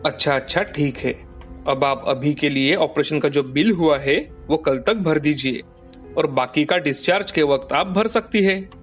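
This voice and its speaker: An actor voicing a calm, businesslike hospital doctor who speaks in a measured, reassuring way. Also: male voice, a little high, soft background music, natural voice. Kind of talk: cartoon dubbing.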